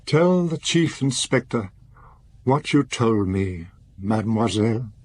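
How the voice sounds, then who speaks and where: An actor playing a grave, courteous Catholic abbé in a radio drama, speaking formally and deliberately. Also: male voice, fairly low pitch, expressive, breathy edge, heavily acted.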